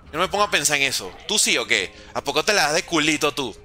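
A man's voice: a little high, big pitch swings, fast talker, bright, forceful tone. A man streaming gameplay, reading chat aloud in a playful way and making little mouth sound effects. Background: faint background music.

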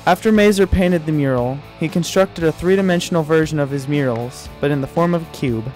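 A man narrating a short documentary from a script, in an even read-aloud manner. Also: fairly high pitch, brisk. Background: light music.

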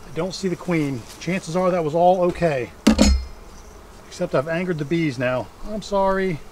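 A man's voice: a little high, moderate pace. A middle-aged man casually narrating as he works outdoors, in a folksy way, as if chatting to himself. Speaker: beekeeper and vlog host. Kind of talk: casual narration while working at a hive. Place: outdoors in a wooded yard. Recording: outdoor audio with clear background noise. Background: outdoor ambience, buzzing insects.

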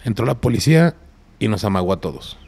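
A man's voice: fairly low pitch, fast talker, creaky, breathy edge. A man with a Mexican accent, a podcast guest telling a story in slangy casual talk. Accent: Mexican Spanish. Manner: slangy, animated when quoting others.

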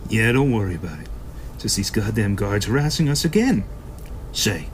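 A man's voice: fairly low pitch, big pitch swings, normal speed. Man playing sardonic black-market boss over noisy ambience. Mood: sly. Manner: sarcastic, swearing. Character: foul-mouthed, sly black-market shop boss, grimly pragmatic. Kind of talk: science-fiction audio drama acting.

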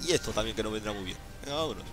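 A man giving excited gameplay commentary as a streamer, exclaiming, laughing and swearing often. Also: lowish voice, rapid-fire. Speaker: gaming streamer.

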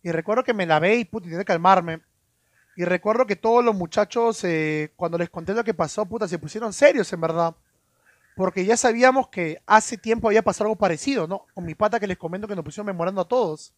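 A man spins a story for his stream audience, stumbling over and repeating his words. His voice sits high. The sound is dry and close, with no room echo. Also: fast talker. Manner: stammering, repeats words, swears casually. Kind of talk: casual storytelling on a live stream.

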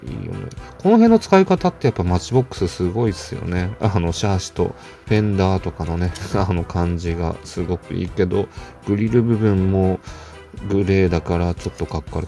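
A man talks casually as he opens toy cars, muttering and chuckling to himself. His voice is low and mellow with a gravelly edge. His pitch swings a lot as he goes, and faint music plays under his talk. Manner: muttering to himself, chuckling, self-answering asides. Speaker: toy car collector vlogger. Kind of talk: casual unboxing chat.

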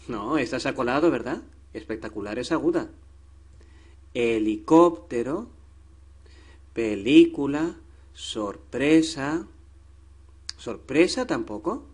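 A man's voice: mid-range voice, husky. A man teaching a grammar lesson to children, patient and coaxing, stretching out syllables.

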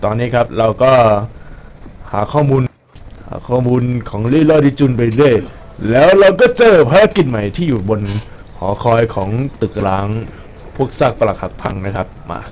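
A young man giving casual, joking commentary over his gameplay, excitable and swearing at enemies. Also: mid-range voice. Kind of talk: casual Let's Play commentary.

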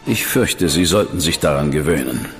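Reserved, dry investigator, deep voice, radio drama with music. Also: male voice, lively intonation. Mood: measured. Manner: measured, dry, withholding. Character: cool, reserved male investigator, brother of a famous detective. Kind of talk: German radio drama acting. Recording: long reverb with music behind.

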